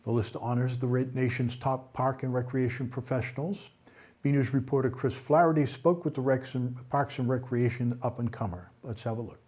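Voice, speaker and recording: A man anchoring a local news roundup, reading stories in a steady way with occasional slips and self-corrections. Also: medium pitch, normal speed, slightly rough.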